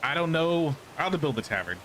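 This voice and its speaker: A man's voice: on the high side, big pitch swings, quick pace, fairly bright tone, slight background noise, low-quality recording. A man casually commenting on his gameplay during a live stream, thinking aloud and answering chat questions.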